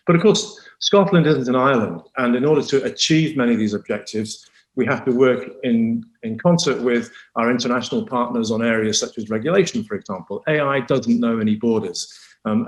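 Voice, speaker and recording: A man's voice: mid-range voice, reverberant, rough recording. A man chairing an online panel discussion, hesitant and full of fillers, speaking over a video call.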